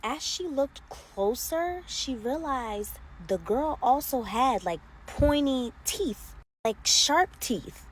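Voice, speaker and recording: A woman's voice: sits high, animated, slow pace, hardly any pauses, slight background noise. A woman telling scary stories in a casual, chatty way and talking straight to her viewers like friends. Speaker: social media storyteller. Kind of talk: casual scary story time.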